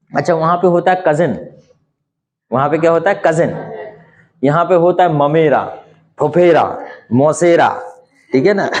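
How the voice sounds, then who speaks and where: Man, native Hindi speaker, English teacher, fairly high voice, patient explaining, rhetorical questions. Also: darkish tone. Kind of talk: spoken English lesson.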